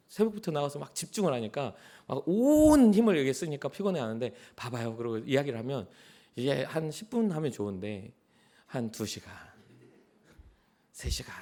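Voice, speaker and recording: Middle-aged male pastor, conversational sermon delivery, very expressive pitch, acts out quotes. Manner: animated, conversational, acts out quotes, drops to soft whispers. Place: church sanctuary.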